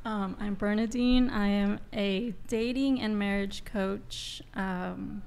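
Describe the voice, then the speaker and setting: A woman's voice: medium pitch, steady tone, slow, gravelly, darkish tone, clean tone. A woman in her thirties, a dating coach, introducing herself hesitantly with ums. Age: 30s. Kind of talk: self-introduction.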